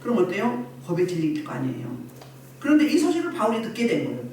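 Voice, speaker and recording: A woman pastor preaching a sermon at a healing service, telling the story with lively voices for the crowds she describes. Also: medium pitch, fast talker, a little hiss or hum. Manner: animated, acts out crowds and quotes. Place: church meeting room. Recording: echoey hall, distant mic.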